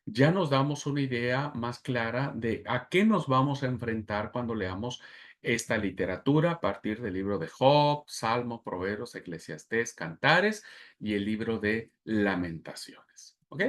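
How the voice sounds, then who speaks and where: A man's voice: medium pitch, animated, unhurried. A man teaching a Bible class, explaining patiently, repeating key words and checking in with his students. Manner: explanatory, repeats key terms and asks "¿verdad?". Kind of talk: lecturing a class.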